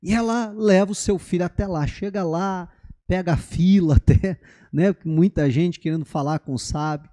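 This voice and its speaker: A man's voice: high voice, normal speed. A male pastor preaching a sermon in church, telling a story and often checking in with the congregation. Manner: animated storytelling, keeps asking the congregation "né?" and "amém". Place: church during a live service.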